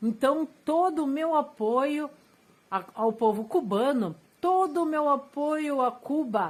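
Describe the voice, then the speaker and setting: Speaking very slowly, a woman uses a high voice with lively intonation and very even loudness. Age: 60s. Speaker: solidarity message sender. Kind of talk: recorded solidarity message.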